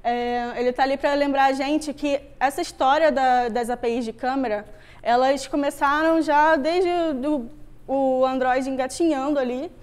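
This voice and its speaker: A young woman with a carioca accent from Rio de Janeiro gives a casual, conversational tech talk at a meetup, speaking at a moderate pace in a high-pitched voice with a darkish tone. She's an Android developer presenting on stage in front of a screen, in a room with a wooden floor.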